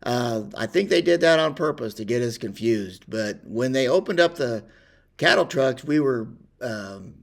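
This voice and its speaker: An older man telling a personal story in a rambling, unhurried way with many pauses and fillers. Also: mid-range voice, expressive, creaky. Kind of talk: casual spoken reminiscence.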